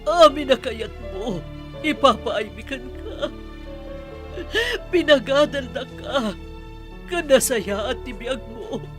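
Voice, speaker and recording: A woman's voice: high voice, lively intonation, takes it slowly, music in the background. A woman playing a grieving mother. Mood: tearful. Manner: tearful pleading. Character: grieving mother of a jailed son.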